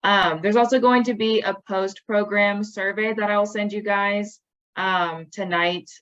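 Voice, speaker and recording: A woman's voice: medium pitch, steady tone, unhurried, a bit bright, clean tone, lo-fi sound. Casual young woman hosting a video call. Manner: casual, filler-heavy, with many ums and likes. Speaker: program host.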